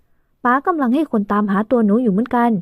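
A woman's voice: fairly high pitch, quick pace, no echo, narrow, tinny audio, natural voice. A woman voicing a wary, wealthy older father in an audio novel, guarded and half joking. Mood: relieved.

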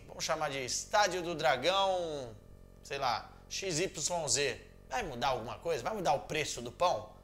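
A man in his thirties with a Brazilian Portuguese accent, a football commentator casually answering viewer messages in a joking, animated way from a small room at home. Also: medium pitch. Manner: animated, joking, gestures a lot. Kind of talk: casual chat.

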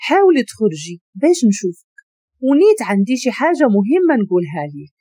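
A woman's voice: on the high side, very animated, fast talker, mellow, dry recording, clean studio sound. A woman voicing a cocky young Moroccan lover. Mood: eager. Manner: self-assured, teasing. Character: confident young male athlete, teasing lover.

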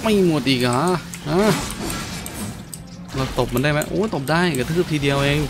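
A man's voice: mid-range voice, normal speed. Playful man gaming over music. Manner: playful, crude slangy talk with exclamations. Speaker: gaming host. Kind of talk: casual gameplay commentary. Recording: game music behind the voice. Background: game music.

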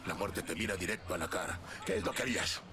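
An actor playing an older, teasing guerrilla mentor, theatrical, jovial and rough-tongued, in a video game. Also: male voice, low-pitched, fast talker, close to an everyday voice. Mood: boisterous. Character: boisterous old male guerrilla legend, teasing mentor. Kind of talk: dramatic video game acting. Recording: loud game music behind the voice.

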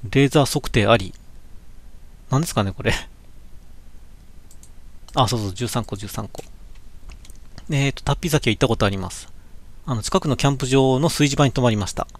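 A man's voice: medium pitch, a little fast, long pauses. Man, casual musing slideshow commentary, chatty, self-correcting, webcam stream. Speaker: cycling vlogger looking back on a trip.

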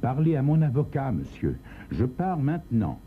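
A shabby little swindler, voiced by a man in a raised, thin voice, shifting from fake fear to quiet menace. The reading comes through a tinny, phone-like channel with a faint hiss behind it. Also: medium pitch, normal speed, pitched above the performer's own voice. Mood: calm, menacing. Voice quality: put-on foreign accent at first. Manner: pleading, then calm and cutting.

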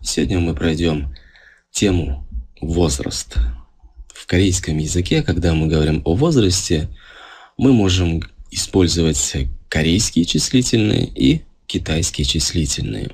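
A man gives a casual video lesson in a low, slightly husky voice. He takes his time and walks through each point patiently. Now and then he checks whether his viewers are following. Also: unhurried. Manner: relaxed, explains step by step, asks the viewers questions. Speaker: language teacher. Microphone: voice-over over filmed handwritten notes.

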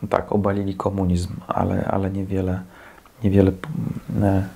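His voice low, warm and husky with vocal fry, a Polish defense commentator in his forties speaks at normal speed in a completely flat delivery. He aims scornful, sarcastic criticism at the camera from a small room with a plain white wall.

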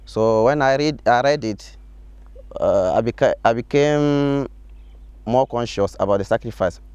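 A young man outdoors, answering interview questions haltingly with many fillers, on a lapel mic. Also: mid-range voice, darkish tone, clean tone, no echo. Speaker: interview guest, student. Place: outdoors on a school field.

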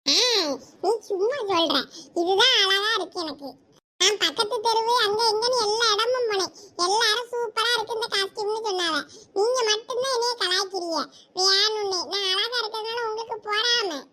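ஒரு பெண் நடிக்கும் கிராமத்து இளைஞன், மிக உயர்ந்த குரலும் பளிச்சென்ற ஒலியும் கொண்டவன். பெருமையடித்துக் கொண்டு, கிண்டலாகவும், பொய்க் கோபத்துடனும் பேசுகிறான். நகைச்சுவை நாடகத்தில் கேட்கும் குரல் இது. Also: female voice, very high voice, normal speed, bright, forceful tone. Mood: cocky. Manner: cheeky, show-off, mock-offended. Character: boastful village young man in a lungi. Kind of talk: comic skit acting.

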